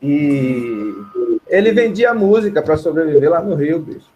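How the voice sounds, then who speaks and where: A man's voice: on the high side, a little slow, highs cut off. A man from Bahia, telling stories casually as a musician guest in an interview. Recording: clear steady background noise.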